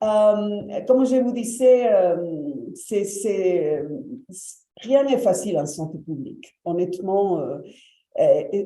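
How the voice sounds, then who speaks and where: A woman's medium-pitched, dark, mellow voice in a Spanish accent, with lively intonation, a very slow pace, long, frequent pauses and audible room echo. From Spain. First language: Spanish (speaking French). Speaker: public health official. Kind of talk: panel conversation. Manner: halting, many hesitations.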